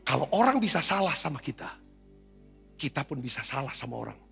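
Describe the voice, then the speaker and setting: A man's voice: medium pitch, very animated, brisk, gravelly, a bit bright, husky, in a large hall, soft background music. A male pastor preaching a sermon in a conversational, exhorting way, often calling for an amen and asking rhetorical questions. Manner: exhorting, repeatedly asks for amens.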